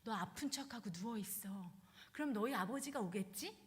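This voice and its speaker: A woman's voice: a little high, expressive, moderate pace, lightly acted. A woman voicing a cunning male friend who coaxes in a conspiratorial tone, in a reverberant church hall. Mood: scheming. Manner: conspiratorial, coaxing.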